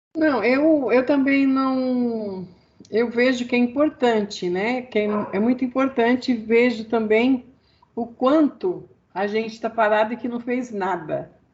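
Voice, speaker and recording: Very slow speech from a woman, high in pitch, with ordinary variation in pitch. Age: 60s. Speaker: seminary student. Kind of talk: class discussion.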